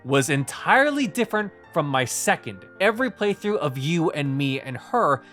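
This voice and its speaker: A man's voice: a little high, big pitch swings, moderate pace, fairly bright tone, faint music behind. A man narrating a scripted video review as the reviewer.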